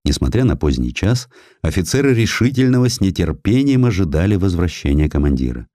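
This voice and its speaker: A man narrating a historical tale in an expressive, measured way, with weighty pauses. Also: low-pitched, dry recording, clean studio sound. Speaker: audiobook narrator.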